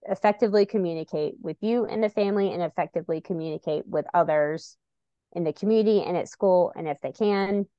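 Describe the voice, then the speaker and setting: A woman guest talking casually and chattily, with frequent "like" and "you know". Her voice sits a little low, and the recording is dry and close. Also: quick pace, dry recording, muffled recording. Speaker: guest parent. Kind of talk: casual conversation.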